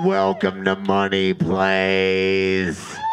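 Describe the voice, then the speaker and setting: A man puts on a robotic character voice at a very deep, low pitch. Background noise is clear. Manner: deadpan.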